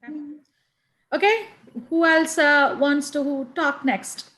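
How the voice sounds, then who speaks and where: A woman hosting a feedback session over a video call, briskly prompting each speaker to give their name and country. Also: sits high, a bit bright, low-quality recording. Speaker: event host.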